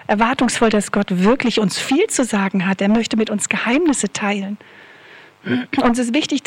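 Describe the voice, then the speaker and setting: A woman preacher giving an earnest sermon who repeats her key phrases. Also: mid-range voice.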